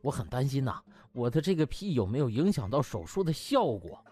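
Man voicing a cheeky, smug young doctor, animated. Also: mid-range voice, brisk, natural voice. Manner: mock-pompous, playful.

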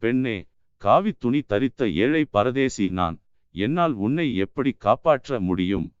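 A man voicing a sly, menacing Buddhist monk who speaks gravely and with veiled threat, in a dry, dull-sounding recording. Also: mid-range voice, lively intonation, measured pace, dry recording, lightly acted. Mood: grave, warning. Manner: mocking, then grave and commanding.

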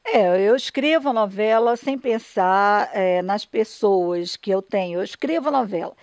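A woman's voice: mid-range voice, unhurried, darkish tone, no room sound, clean studio sound. An older Brazilian woman, a radio drama director, explaining her work emphatically in a conversational interview, often checking for agreement.

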